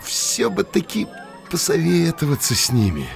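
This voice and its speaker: An actor playing a naive, awestruck young village blacksmith in an audio drama, exclaiming in a folksy, wondering way. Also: male voice, fairly high pitch, huge pitch swings, moderate pace, vocal fry, faint music behind, full character voice. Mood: hesitant, then commanding. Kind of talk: theatrical audio drama acting.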